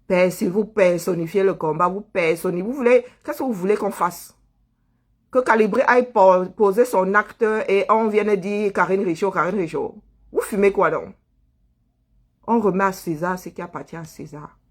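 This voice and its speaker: Husky, taunting woman. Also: medium pitch, moderate pace. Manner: mocking, taunting, with rhetorical "hmm?" asides. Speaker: diaspora political activist. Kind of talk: combative political monologue.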